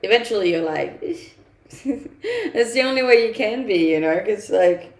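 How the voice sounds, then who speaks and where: Gravelly-voiced Danish woman streamer, chatty. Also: medium pitch, expressive, a little slow, roomy sound. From Denmark. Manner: chatty, laughs often, many fillers. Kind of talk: casual live-stream chat reading viewer comments.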